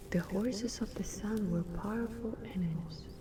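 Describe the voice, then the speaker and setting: A soft-spoken voice whispers at a very slow pace. Music plays in the background. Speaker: ASMR creator. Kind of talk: mythology storytelling reading, sleep story. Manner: soft, whispered.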